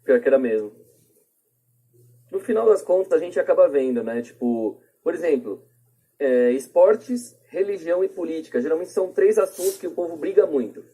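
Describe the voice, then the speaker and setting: Brazilian man, higher-pitched but mellow and husky, casual colloquial podcast talker. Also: lively intonation, moderate pace, low-quality recording. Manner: colloquial, seeks agreement with tag questions. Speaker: podcast speaker.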